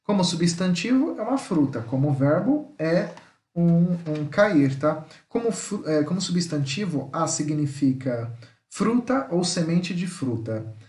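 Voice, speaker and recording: A male teacher giving an online language lesson, explaining patiently and checking in after each point, sometimes sounding out words slowly. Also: a little high, lively intonation, darkish tone, reverberant.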